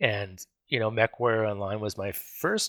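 Heard in a very clean, dry, close recording with no echo and a silent background, a man with an ordinary speaking voice and a Canadian accent talks at a fairly slow pace with medium pitch. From Canada, Vancouver. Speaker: video game composer and sound designer. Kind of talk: interview.

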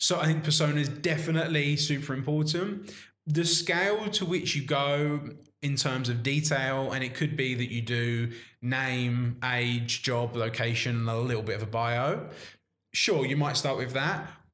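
A man with a British accent speaks at a fairly high pitch. There is audible room echo. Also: ordinary pitch variation, moderate pace. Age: 20s. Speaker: social media marketing agency owner. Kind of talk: interview.

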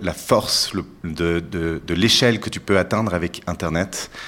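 A man speaks with ordinary pitch variation. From French-speaking Switzerland. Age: 40s. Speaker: entrepreneur. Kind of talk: interview. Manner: halting, many fillers and repetitions.

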